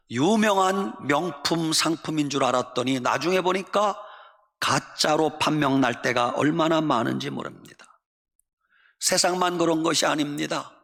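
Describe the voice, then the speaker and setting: A male pastor delivers an emphatic sermon whose phrases swell into sing-song peaks. His voice is bright and sits a little high. Long reverb from the church sanctuary trails every line. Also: vocal fry.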